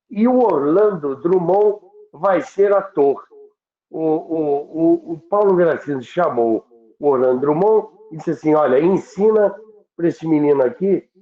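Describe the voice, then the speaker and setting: A roomy, phone-like recording of a Brazilian-accented man telling stories. He speaks slowly and haltingly, in a fairly high voice, repeating words for emphasis. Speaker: radio history storyteller on a podcast. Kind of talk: anecdotal storytelling talk. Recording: roomy, tinny phone-like sound.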